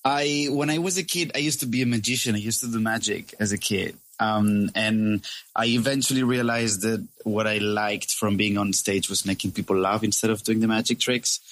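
A man's voice: fairly low pitch, a bit bright, no room sound. A man from Spain with a Spanish accent, whose first languages are Catalan and Spanish, chatting as a stand-up comedian guest, full of "like" and "um". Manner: chatty, many "like" and "um" fillers. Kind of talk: casual phone interview.

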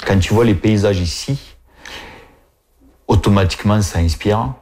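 A man with a Toulouse accent speaking in a recorded interview, reflective and unhurried, with fillers. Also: fairly low pitch, a little mellow. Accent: southern French, Toulouse. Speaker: filmmaker, interviewee.

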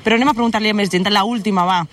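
A woman reporter doing brisk, upbeat live interviews on a beach, often saying "very good" between answers. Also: medium pitch, fairly bright tone. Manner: brisk, upbeat, repeats "muy bien". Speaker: field reporter. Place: outdoors on a beach. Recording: distant, faint outdoor noise.

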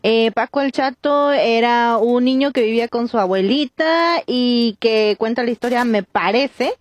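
A woman's voice: a little high, measured pace, no room sound. A young woman on a radio show, thoughtfully recalling a childhood reading lesson in casual banter.

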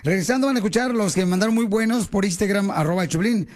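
A man hosting a radio show, joking loudly and calling his listeners countrymen. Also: high voice, fast talker. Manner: rowdy, joking, calls listeners "paisanos". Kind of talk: playful radio banter.

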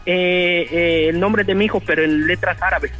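A young man, calling in, relaxed and hesitant with frequent laughs. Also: sits high, normal speed, soft background music. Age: 20s. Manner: laid-back, giggly, hesitant. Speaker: caller.

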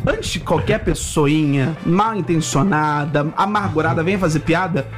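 A man in his early thirties hosting a radio show, animated and announcer-like with drawn-out emphatic phrases. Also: fairly high pitch. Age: early 30s. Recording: radio studio with music bed.

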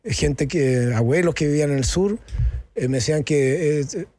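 A man's voice: on the high side, normal speed, dark tone, no echo. A man with a Chilean accent, an actor talking candidly in an interview, casual and slangy with lots of fillers and tag questions.

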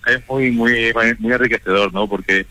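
Bright, chatty man on radio. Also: mid-range voice, fairly even intonation, normal speed, dry recording. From Spain. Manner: chatty, laughs easily, many fillers. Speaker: guest, teacher and traveler. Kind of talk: casual radio interview.

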